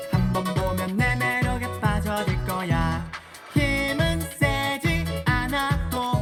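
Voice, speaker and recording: A man's voice: high voice, pitched above the performer's own voice. A man voicing a cute little round-eyed mascot named Kikko, in a formant-shifted jingle. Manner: sung-spoken jingle. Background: guitar backing music.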